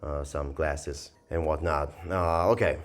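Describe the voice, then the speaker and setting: A man giving a casual, rambling software review, thinking aloud in a hesitant and sardonic way as he goes. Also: extremely low pitch, steady tone, slow pace. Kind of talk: casual screen-recorded review commentary.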